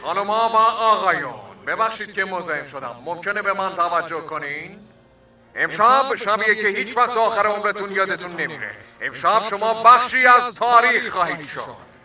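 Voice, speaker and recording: An actor playing a smooth-talking male fairground showman and hypnotist in a cartoon dub, who swings between grand announcing and slow, low hypnotic talk. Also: lively intonation, bright, forceful tone, faint music behind, full character voice.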